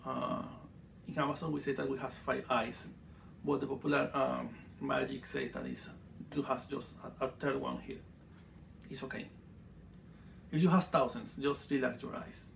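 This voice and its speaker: Venezuelan guy, spanish accent, super gravelly voice, stumbles thru english w lots of uhs, kinda dry jokes. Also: mid-range voice, lively intonation, a bit bright, slight background noise. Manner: halting, many fillers and restarts, dry humor; broken English grammar. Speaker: spiritual teacher. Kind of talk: casual teaching monologue.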